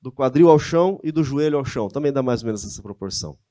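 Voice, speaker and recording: A man's voice: medium pitch, expressive, fast, mellow, no echo, clean studio sound. A man with a Brazilian Portuguese accent giving a conversational lecture, often asking his audience rhetorical questions. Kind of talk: church-hosted lecture with slides.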